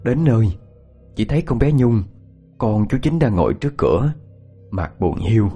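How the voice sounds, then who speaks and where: A man narrating a ghost story in a measured tone. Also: on the low side, sing-song, dark tone, slightly rough, soft background music.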